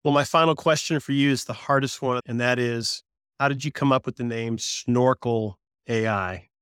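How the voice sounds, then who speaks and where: A man's voice: medium pitch, moderate pace, fairly bright tone, clean tone, no echo, studio quality. Man hosting a podcast interview. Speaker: podcast host.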